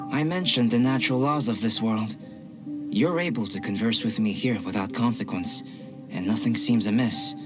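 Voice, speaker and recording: A man voicing a calm young male alchemist, curious and scholarly, who speaks in a measured, soft, philosophical way in game voice acting. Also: lowish voice, close to an everyday voice. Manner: measured, softly spoken, philosophical. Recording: game audio with clear music behind.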